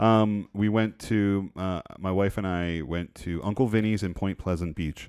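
A man talks in a plain, everyday voice with fairly even intonation and hardly any pauses. The recording is very clean, with a silent background. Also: fairly low pitch for a man, fairly slow pace. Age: 30s. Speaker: podcast host. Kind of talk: casual chat.

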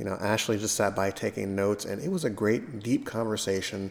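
Here a man talks at a fairly quick pace in an ordinary speaking voice. His pitch varies in an ordinary way. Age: 40s. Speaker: podcast co-host. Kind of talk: casual chat. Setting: online voice call.

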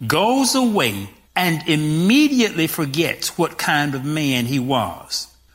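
A very slow man's voice, high in pitch, with very wide pitch swings. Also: hardly any pauses. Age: 60s. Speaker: preacher. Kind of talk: sermon.

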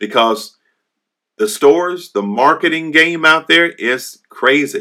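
A man's voice with a warm tone yet bright and sharp, lively intonation and a very slow pace. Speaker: spiritual coach and podcast host. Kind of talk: pep talk; devotional teaching with scripture. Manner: encouraging, preacher-like, warm.

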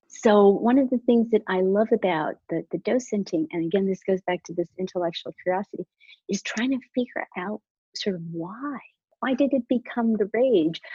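Somewhat breathy, this woman's voice has lively intonation. She talks at a moderate speed. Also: medium pitch for a woman. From Colombia (Bogota), raised in US. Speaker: cathedral docent. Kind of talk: interview conversation. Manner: soft-spoken.

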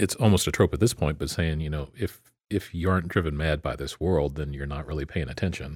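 In a very clean recording with a silent background, a man with an American accent talks at a fairly quick pace with hardly any pauses, his very deep, low pitch showing ordinary variation. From Ozarks, US. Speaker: radio host. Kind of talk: radio interview about a book. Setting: radio studio.

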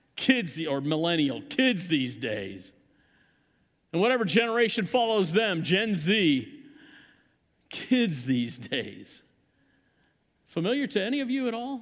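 Speaking at a fairly slow pace with long, frequent pauses, a man uses a high pitch with very wide pitch swings, and audible room echo surrounds his voice. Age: 60s. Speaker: pastor. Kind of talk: sermon.

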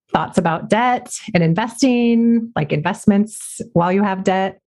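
Here a woman talks at a moderate speed. The rise and fall of her pitch is ordinary. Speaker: podcast host and business coach. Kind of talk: casual interview chat. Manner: animated.

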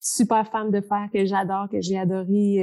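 At a fairly slow pace, a woman speaks in a medium-pitched, dark, mellow voice with monotone, flat intonation. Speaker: journalist and author. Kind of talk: interview. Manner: halting.

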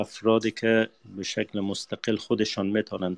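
Recorded with a dry, close sound and no echo, a man speaks with monotone, flat intonation. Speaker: university lecturer. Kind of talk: panel discussion. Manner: formal.

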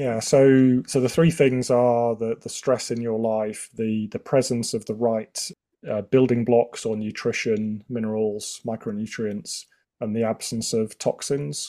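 Speaking at a fairly slow pace with a British accent, a man has a dark, mellow tone and fairly even intonation. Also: medium pitch for a man. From UK. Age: 50s. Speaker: pharmacist. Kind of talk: interview. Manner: halting, frequent repetitions.

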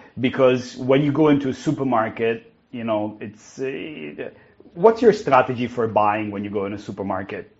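Big swings in loudness mark a man's medium-pitched voice, which has lively intonation and an Italian accent. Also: moderate pace. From Italy. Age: 40s. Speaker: podcast host. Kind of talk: interview. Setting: remote call. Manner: halting, frequent fillers.

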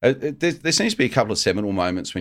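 This recording is very clean with a silent background. The voice carries an Australian accent. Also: man. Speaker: podcast co-host. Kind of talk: interview.

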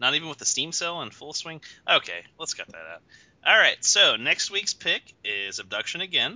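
Loudness swings widely here. The pace is moderate. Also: man. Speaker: podcast co-host. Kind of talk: casual chat. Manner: talkative.

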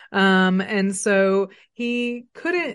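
A woman talks with an Arkansas accent. Her pitch is medium. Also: quiet background. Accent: Southern US (Arkansas). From South Arkansas, US South. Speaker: licensed counselor. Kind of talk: interview, personal testimony.

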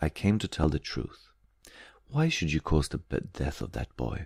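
Putting on a character voice, a soft-spoken man talks at a moderate pace at an extremely low pitch, with vocal fry, a slightly husky edge and very wide pitch swings.

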